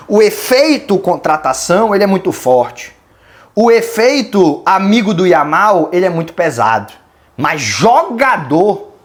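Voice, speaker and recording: A Brazilian-accented host talks through viewer questions in a relaxed, colloquial way. The delivery is opinionated, and the host reasons aloud as the argument builds, like an informal chat with the audience. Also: medium pitch. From Belém do Pará, Brazil. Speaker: channel host. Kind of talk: casual commentary answering viewer questions.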